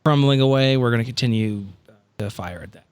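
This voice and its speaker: A man's voice: medium pitch, brisk, darkish tone, clean tone, no room sound. Rambling man playing a tabletop game. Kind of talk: casual game chat.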